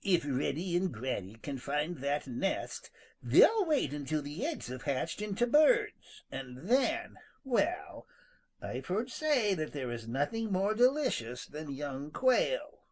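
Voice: medium pitch, sing-song, slow, a little mellow, husky, full character voice. A narrator doing a sly, teasing skunk. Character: sly, grinning male skunk, good-natured.

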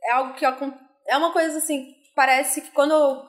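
A woman's voice: high voice, fairly even intonation, a little fast. A woman who answers interview questions hesitantly, searching for her words.

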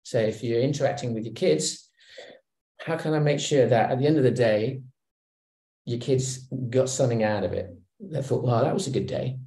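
A middle-aged man from Hong Kong, a guest on a video call interview, speaking in a relaxed, reflective way with many fillers and restarts. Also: medium pitch, moderate pace. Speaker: guest executive. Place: home room. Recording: roomy video call audio.

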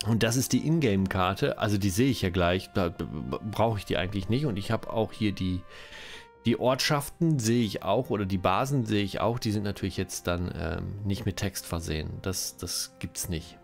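A German-speaking man with a cold talks through a strategy game at his computer in a loose, rambling way, often correcting himself mid-sentence. His voice sits somewhat low, and faint music plays quietly underneath. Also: moderate pace, vocal fry. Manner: rambling, self-correcting, chatty. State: has a cold, coughing. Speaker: let's-play host. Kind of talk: casual game commentary.

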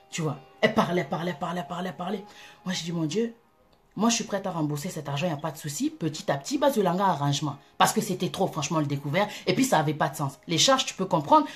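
A woman telling an animated, emphatic personal testimony in a casual way. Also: fairly low pitch. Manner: animated, emphatic, breaks into laughter. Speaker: Christian vlogger.

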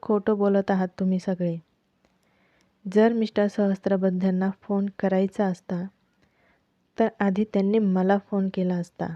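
A woman's voice: mid-range voice, little pitch movement, unhurried, dark tone, dry recording, close to an everyday voice. A woman voicing a frantic young pregnant wife. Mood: suspicious. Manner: pleading, insistent questions, growing panic. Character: anxious young pregnant wife searching for her husband. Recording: dull lo-fi, dry close mic.

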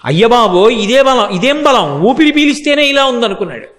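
A man's voice: very high voice, big pitch swings, brisk, a bit bright, echoey room, heavily acted. A man voicing a proud, mighty male divine eagle who speaks in boastful exclamations. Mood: stunned.

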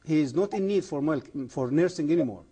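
A middle-aged man speaks as a TV guest, fervent and earnest, in halting non-native English full of restarts. His voice is husky and mellow, pitched a little above the usual for a man. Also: expressive. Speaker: guest, former imam. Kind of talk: earnest testimony on a TV program.

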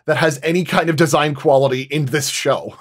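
A man talking casually as a sound designer on a roundtable, explaining things through animated anecdotes and acting out quoted remarks. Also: a little high, moderate pace. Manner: animated storytelling, acts out quoted dialogue.

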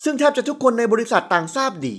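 Expressive woman reading an audiobook. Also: a little high, fast talker. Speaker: audiobook narrator. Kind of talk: scripted narration.

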